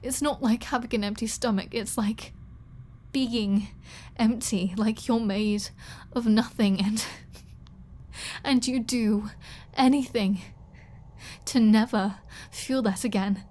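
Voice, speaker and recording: A woman playing a flirty, starving captive vampire in an ASMR roleplay, halting and teasing, with breathy asides and pleading. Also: on the high side, steady tone, darkish tone. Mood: haunted, pleading. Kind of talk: ASMR roleplay audio drama.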